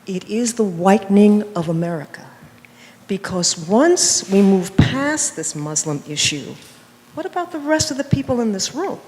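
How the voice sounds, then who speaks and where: A woman's voice: mid-range voice, lively intonation, normal speed, darkish tone. Impassioned woman speaking from the audience. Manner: impassioned, rhetorical questions. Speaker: audience member. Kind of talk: audience comment. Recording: long hall reverb, faint ambience.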